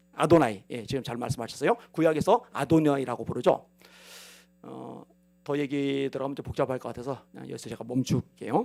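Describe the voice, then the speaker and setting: A man's fairly high-pitched voice at a fairly quick pace, with ordinary pitch variation and big swings in loudness. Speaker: pastor. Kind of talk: bible study lecture. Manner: fast.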